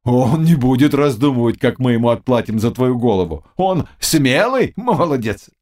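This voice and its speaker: A man's voice: mid-range voice, very animated, normal speed, darkish tone, close to an everyday voice. A man voicing rowdy cossacks who jeer and tease a comrade. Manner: jeering, teasing. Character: rowdy mocking male cossacks.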